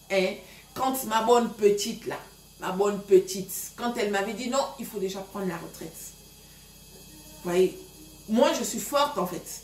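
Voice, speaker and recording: Chatty woman in her 30s, middle pitch, recorded in an echoey room. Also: slight background noise. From Gabon. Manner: chatty, many fillers, addresses viewers directly. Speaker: vlogger giving relationship advice. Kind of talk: casual storytelling to viewers.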